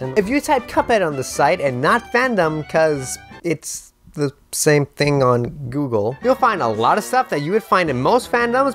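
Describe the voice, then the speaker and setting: A YouTube host in his twenties delivers rambling, theatrical comedic fandom commentary to camera, constantly interrupting himself. His fairly high voice comes through a handheld mic held close to his mouth in a small, bare-walled indoor room, with background music playing.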